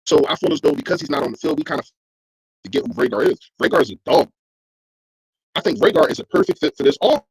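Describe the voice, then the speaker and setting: A man's voice: fairly high pitch, huge pitch swings, fast talker, pauses often, breathy edge, low-quality recording. Emphatic, slangy man debating football. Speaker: sports podcast host. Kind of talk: casual sports talk, reacting to live chat.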